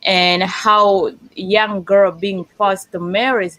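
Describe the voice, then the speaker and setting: Guest: woman from South Sudan, earnest, unhurried storyteller. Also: mid-range voice, fairly even intonation, pushed and bright, poor audio. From South Sudan, raised in Uganda. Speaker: summit speaker, guest. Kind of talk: casual interview.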